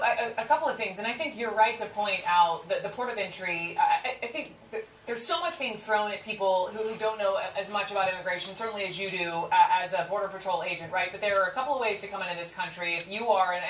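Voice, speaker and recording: A woman conducting a live television news interview, pressing her points emphatically and repeating them for weight. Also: medium pitch. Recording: roomy echo, distant mic, faint noise.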